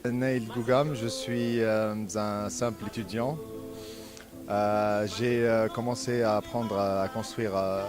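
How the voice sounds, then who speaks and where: A man's voice: lowish voice, fairly even intonation, takes it slowly. A male student answering an interview, earnest, with fillers. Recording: music playing over the voice.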